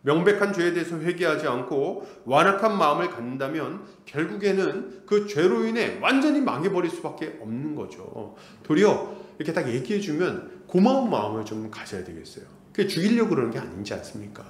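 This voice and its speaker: Animated male pastor preaching. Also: a little high, brisk, hardly any pauses, echoey room. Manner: animated, acts out quoted church members. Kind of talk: sermon. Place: church sanctuary.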